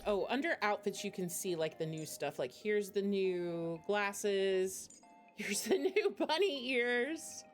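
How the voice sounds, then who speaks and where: Chatty woman streamer over game music. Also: lowish voice. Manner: chatty, rambling, giggly. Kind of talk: casual live stream chat.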